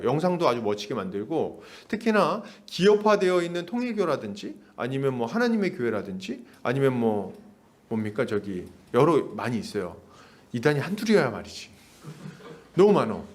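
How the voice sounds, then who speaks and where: A man's voice: mid-range voice, brisk. A man preaching a sermon as pastor, in a casual, conversational way, acting out the voices of people in his story and laughing now and then. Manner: animated, acts out voices of others in the story. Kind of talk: expository sermon. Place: church sanctuary.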